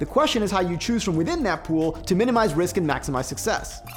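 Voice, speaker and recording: The speech runs at a very fast pace, with noticeable background noise in the recording. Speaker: science video host. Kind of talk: viewer comment response.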